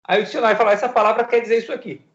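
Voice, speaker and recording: A man explaining ideas in casual conversation, lively and full of everyday examples. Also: sits high, racing. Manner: lively, gives everyday examples, laughs lightly. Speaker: co-host in a discussion. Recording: echoey lo-fi recording.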